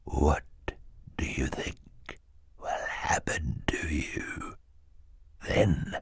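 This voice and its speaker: A croaking, gravelly hook-handed henchman. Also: very animated, measured pace, a bit bright, dry recording, heavily acted. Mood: threatening whisper. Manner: low threatening whisper. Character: menacing hook-handed male henchman, cruel. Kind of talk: audiobook character voice.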